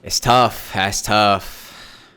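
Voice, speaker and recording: A man's voice: on the low side, fairly even intonation, very slow, bright, forceful tone, clear, resonant tone. A male streamer giving casual reaction commentary, rambling with restarts and laughs.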